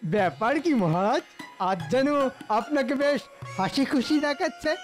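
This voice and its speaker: A scheming cartoon minister, high thin voice, oily and fawning, music clear behind, jealous plotter. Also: male voice, expressive, measured pace. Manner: oily and scheming, mutters plots aside. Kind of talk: cartoon voice acting.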